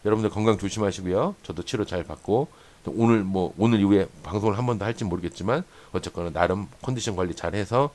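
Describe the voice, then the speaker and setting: A man with a fairly low, darkish voice talks quickly with few pauses as he hosts a stock trading channel. He walks day traders through a chart-analysis lesson, pointing along the chart with lots of "here" and "this much," repeating phrases for emphasis and often asking "right?"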